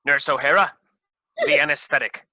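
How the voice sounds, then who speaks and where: A man playing a pompous, short-tempered doctor in a comedic staged reading, grave and halting, then barking orders. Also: on the high side, bright, forceful tone, no echo, studio quality. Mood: urgent. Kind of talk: comedic staged reading, medical melodrama parody.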